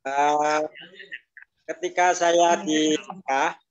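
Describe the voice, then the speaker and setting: A man's voice: on the high side, fairly even intonation, extremely slow. A man calling in with a question, talking hesitantly with many fillers, while his call audio keeps cutting in and out and jumping up and down in level. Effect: choppy call audio that cuts in and out and rises and falls. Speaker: caller asking a question. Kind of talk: casual question over an online call. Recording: dull lo-fi call line.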